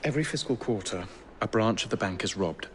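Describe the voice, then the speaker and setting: A man's voice: fairly low pitch, lively intonation, fairly quick, a little hiss or hum, lightly acted. An actor playing an earnest undercover police sergeant who insists on his rank in a video game cutscene.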